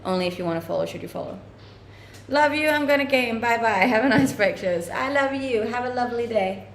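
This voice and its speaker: A woman's voice: a little high, lively intonation, a little fast, echoey room. A Danish woman with a Danish accent, chatting casually with her livestream viewers while she cooks, laughing often. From Denmark. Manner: chatty, laughs often, reads chat aloud. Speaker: live streamer. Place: home kitchen.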